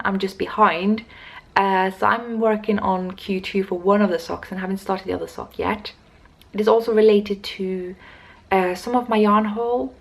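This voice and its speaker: A woman talks to her camera about her knitting projects, with a gravelly, creaky edge to her voice. She rambles and digresses, interrupting herself mid-sentence. Her pitch sits in an ordinary middle range. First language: not Swedish. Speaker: knitting podcast host. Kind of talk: casual knitting vlog chat.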